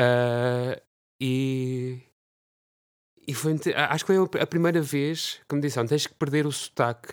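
At a fairly slow pace, a man of medium pitch speaks with fairly even intonation and long, frequent pauses. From Portugal, Fundão (Beira). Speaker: podcast host. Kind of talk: casual interview chat.

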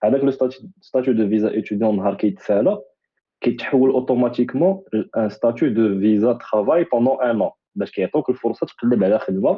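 A man talks at a fairly quick pace with hardly any pauses and very even loudness. His medium-pitched voice carries lively intonation. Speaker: emigrant podcast guest. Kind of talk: casual interview.

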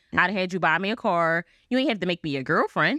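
A woman speaks at a fairly quick pace in an animated, bright, sharp tone with very wide pitch swings. The recording is very clean with a silent background and a dry, close sound with no echo. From West Philadelphia. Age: 30s. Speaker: podcast host. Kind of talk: casual interview chat.

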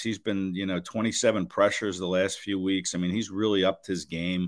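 On a very clean recording with a silent background, a man with a fairly low pitch and ordinary pitch variation speaks at a moderate pace in a normal speaking voice. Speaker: football analyst. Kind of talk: casual chat.

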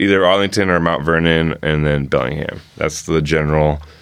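A man with an American accent, very deep, low pitch, fairly even intonation and moderate pace, amid noticeable background noise. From Bremerton, Washington. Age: young. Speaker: musician. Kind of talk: casual interview chat.

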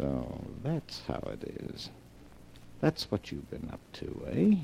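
A man's put-on character voice, fairly low in pitch, dark and mellow, with vocal fry, very wide pitch swings and a slow pace

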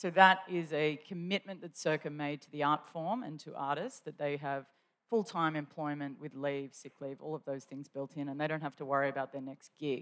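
Speaking with an Australian accent, a woman uses a very deep, low pitch and ordinary pitch variation, her loudness swinging widely. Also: moderate pace, hardly any pauses. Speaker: circus company manager. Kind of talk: panel discussion.

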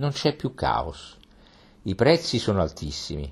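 A man against a quiet background. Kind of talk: reading aloud a travelogue text. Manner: measured, literary, evocative narration.

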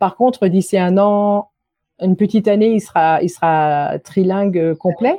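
At a fairly slow pace, a woman with a plain, everyday voice and medium pitch speaks with ordinary pitch variation and very even loudness. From France. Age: 50s. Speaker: life coach. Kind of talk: interview.

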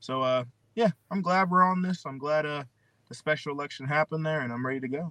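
This man has an American accent and a fairly high pitch with a bright, sharp tone. He talks at a very fast pace with ordinary pitch variation. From Pennsylvania. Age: 20s. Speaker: Marine veteran, political candidate. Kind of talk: interview. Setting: live stream.

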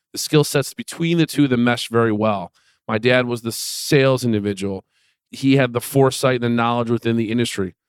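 A normal speaking voice from a man at medium pitch, fairly quick, with ordinary pitch variation, in a very clean recording with a silent background and a dry, close sound with no echo. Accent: American. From Detroit area, Michigan. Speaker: business owner. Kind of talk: interview.

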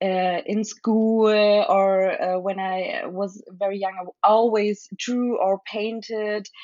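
In a German accent, a woman speaks at a medium pitch. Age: 20s. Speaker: graphic designer and artist. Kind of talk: interview. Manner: hesitant, filler words.

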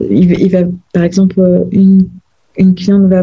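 A woman's somewhat breathy, dark, mellow voice at medium pitch, moderate pace and monotone, flat intonation. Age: 30s. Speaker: image coach and influencer. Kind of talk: podcast interview.

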